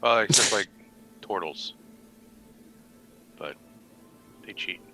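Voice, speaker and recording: A man's voice: on the low side, slow, music in the background. A man playing a tabletop role-playing game, joking and stubborn in playful banter. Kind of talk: casual role-play banter.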